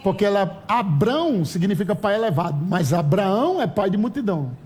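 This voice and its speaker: A man with a Brazilian Portuguese accent preaching a lively, humorous sermon at a church conference. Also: high voice, brisk. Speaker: pastor.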